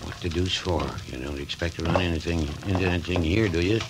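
Male actor as a dry-witted, doubting old country doctor, lowish voice, hissy old radio serial sound. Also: fairly even intonation, fast, close to an everyday voice. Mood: wry. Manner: dry, skeptical, folksy wisecracks. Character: wry skeptical older male doctor, nervous. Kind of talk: 1940s radio acting. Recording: old radio recording with clear hiss.

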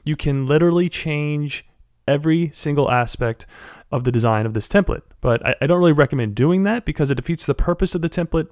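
A man's voice: fairly high pitch, darkish tone, dry recording, studio quality. Stuffy-voiced young man walking through a tutorial. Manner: friendly step-by-step instructions to viewers. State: stuffy, getting over a cold. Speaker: blogger teaching a software tutorial. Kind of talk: screen-recorded tutorial voice-over.

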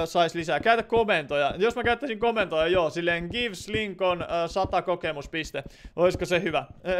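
A man's voice: high voice, a bit bright, clean tone. A young man with a Finnish accent, streaming Minecraft live and chatting to viewers, with many fillers as he answers chat. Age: teens. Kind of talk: live gameplay commentary. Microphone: desk microphone.

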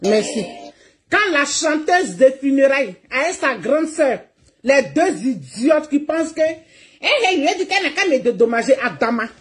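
A woman with a notably high voice, running a heated livestream rant. She talks combatively and mockingly, laughing as she scolds her targets. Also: very animated, moderate pace. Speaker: online streamer.

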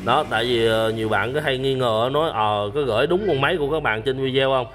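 A man's voice: mid-range voice, quick pace, fairly bright tone. Chatty man selling used machines. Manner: chatty, repeats "các bạn", many fillers. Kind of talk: casual product demo to camera. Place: at night in a storage area full of machines. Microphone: phone camera held while filming.

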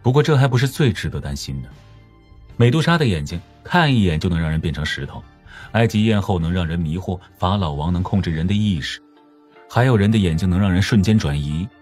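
An actor playing a cunning, teasing older mastermind in an audiobook drama, with a theatrical, unhurried drawl. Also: male voice, deep voice, expressive, darkish tone, slightly rough, faint music behind. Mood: ominous, teasing.

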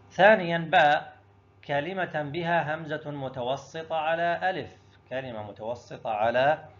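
A man's voice: medium pitch, lo-fi sound. Male teacher, step-by-step exam review. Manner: explains step by step, asks and answers own questions; addresses students directly.

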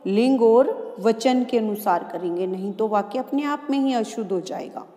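A woman teacher giving a grammar lesson to children. She reads example sentences slowly and answers her own questions. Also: a little high, mellow. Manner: slow, deliberate dictation of example sentences. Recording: echoey room with long reverb.

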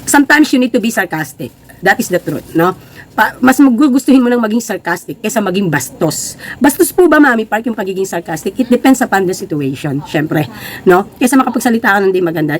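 A woman's voice: mid-range voice, animated, a little fast, slight background noise. Chatty woman store owner giving advice. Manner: chatty, ends lines with tag questions, laughs often; mixes English phrases into her talk. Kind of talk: casual advice livestream.

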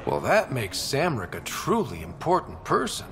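A man playing a dry, teasing, steady young space adventurer in a video game, wry and deadpan. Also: mid-range voice, normal speed, music in the background. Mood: dry, pressing. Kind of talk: video game dialogue acting.

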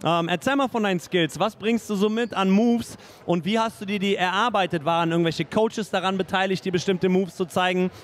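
A man's voice: sits high, fairly even intonation, brisk. A middle-aged man hosting a sports interview in an upbeat, chatty way, speaking into a handheld mic. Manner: upbeat, chatty, says "nice" and "ähm" a lot. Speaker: host, interviewer. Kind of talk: hosted interview and announcements. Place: indoor studio in front of a sponsor wall.

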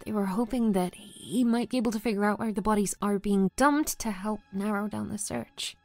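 An actress playing a caring, confiding female friend in an audio drama, soothing and often hushed. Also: medium pitch, normal speed, soft background music, natural voice.

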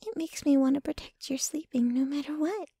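A woman playing a possessive, jealous young girlfriend in an intimate ASMR roleplay, sweetly menacing, with a breathy voice that often drops to a whisper and a cooing, clinging manner. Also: high-pitched, warm tone, no room sound. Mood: adoring, tender. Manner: slow, cooing, clinging to the listener.

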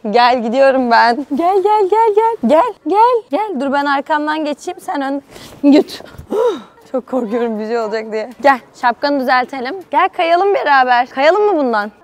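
A young woman with a high voice vlogs outside at a playground, where there's plenty of background noise. She plays with a toddler and coaxes them along in sing-song baby talk, laughing often, in a casual vlog style.

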